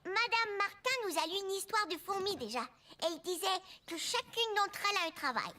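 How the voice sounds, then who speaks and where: An actor voicing a curious, gentle four-year-old boy in a children's cartoon, patiently explaining things to a younger child. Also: very high voice, expressive, fairly quick, heavily acted. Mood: proudly explaining.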